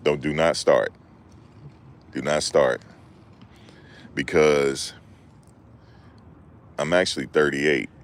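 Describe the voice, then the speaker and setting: With a rumbling low voice and a steady tone, this man takes his time and pauses frequently while hosting a livestream. He jokes, rambles, and talks back to chat in a loose conversation with live viewers.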